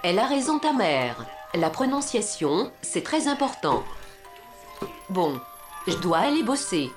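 A woman's voice: medium pitch, sing-song, unhurried, over music. A synthetic female voice playing a chatty, curious talking-clock announcer in a scripted comic dialogue. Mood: admiring. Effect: text-to-speech voice.

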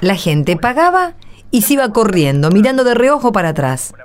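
A woman's voice: mid-range voice, very animated, normal speed, lightly acted. A woman with an Argentine accent playing an anxious, puzzled parish churchgoer in a radio drama. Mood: worried. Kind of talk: Spanish-language radio drama acting and narration. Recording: music under the voice. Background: music.

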